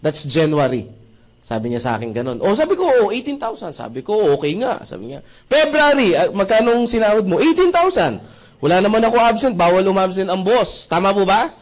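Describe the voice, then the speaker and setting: A man speaking at a seminar, telling a lively story. He acts out dialogue and often checks whether the audience agrees. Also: fairly quick. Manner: animated, with jumps in pitch and loudness. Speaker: seminar speaker sharing his testimony. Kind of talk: motivational storytelling talk.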